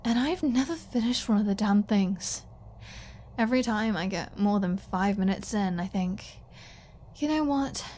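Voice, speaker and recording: Female vampire for audio roleplay, acted by a woman: unhurried delivery, mid-pitched, flirty, snarky and defiant. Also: animated, a little mellow, natural voice. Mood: snarky, playful. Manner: sarcastic, teasing, playful. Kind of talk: scripted ASMR audio roleplay.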